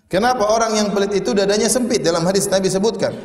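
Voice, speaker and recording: A man's voice: sits high, quick pace. A man preaching a sermon, telling humorous stories with acted quotes and rhetorical questions. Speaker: Islamic preacher. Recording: echoey hall with long reverb.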